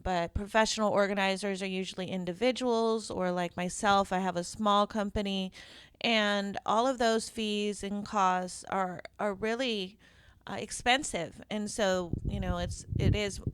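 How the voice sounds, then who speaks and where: A woman, a professional organizer, hosting her own podcast and telling stories in a conversational, deliberate way with occasional fillers. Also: medium pitch, fairly bright tone, clean tone, no room sound. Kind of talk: solo podcast storytelling.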